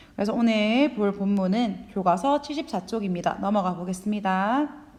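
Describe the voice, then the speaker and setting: At a moderate pace, a woman talks in a medium pitch with ordinary pitch variation and a somewhat breathy voice. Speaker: middle school Korean teacher. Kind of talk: online lecture.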